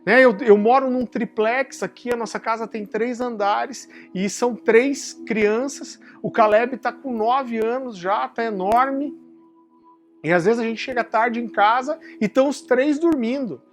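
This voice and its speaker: Brazilian preacher telling stories over soft music. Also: male voice, measured pace. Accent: Brazilian Portuguese. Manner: animated storytelling, calling listeners brother; drops low and soft for solemn points. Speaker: pastor. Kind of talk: sermon.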